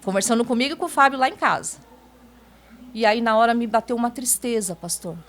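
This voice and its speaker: Speaking quickly in a slightly high voice, a church member relates her story to a pastor as a casual testimony. She often tags her sentences with "né?" and keeps calling the listener pastor.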